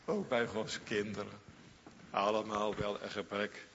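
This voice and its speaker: A man's voice: fairly low pitch, fairly even intonation, a little slow, creaky, fairly bright tone, in a large hall, muffled recording, slight background noise. A man preaching a sermon, fervent and repetitive, lingering on each phrase.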